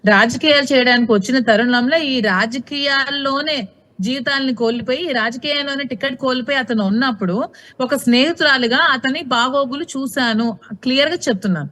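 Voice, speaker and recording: A woman's voice: sits high, normal speed, fairly bright tone. A woman answering questions in a TV interview, outspoken and insistent, often repeating her points.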